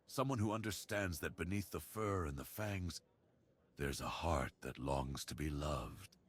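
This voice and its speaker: A man voicing a brooding, lonely gay werewolf who longs for love, speaking intimately and confidingly in an ASMR roleplay, with a low, husky, breathy voice. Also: unhurried. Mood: brooding, wistful.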